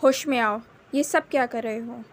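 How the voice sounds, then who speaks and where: A woman voicing a stern man scolding his son in a read-aloud story, firm, in a high voice. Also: moderate pace, close to an everyday voice.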